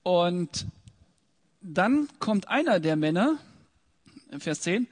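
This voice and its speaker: A man's voice: high voice, sing-song, extremely slow. A man teaching from the Bible, reading verses aloud and then retelling them in casual words with questions to his listeners. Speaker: preacher.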